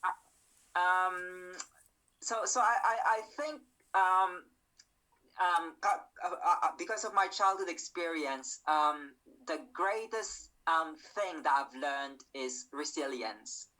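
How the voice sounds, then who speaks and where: Bright-toned man, halting speech. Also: high-pitched, poor audio. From Philippines. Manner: hesitant, many ums and repeated words. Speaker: mental health advocate and event host. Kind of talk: casual conversation.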